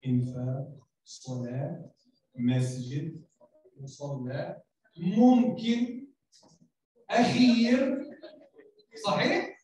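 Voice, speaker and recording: Slow, deliberate woman teacher in an echoey room. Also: a little high. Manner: slow and deliberate, spells out letters, keeps checking understanding. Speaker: Arabic teacher. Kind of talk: lecture to language learners. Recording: very echoey room, voice far from the mic.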